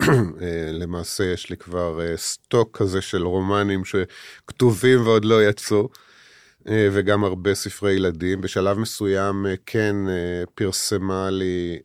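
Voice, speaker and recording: A man in his fifties, a guest speaking earnestly and haltingly in an interview, with many pauses and restarts. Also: low voice, clear, resonant tone, no echo, studio quality. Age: 50s. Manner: earnest, heavy. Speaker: guest, author and army veteran. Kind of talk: personal interview talk.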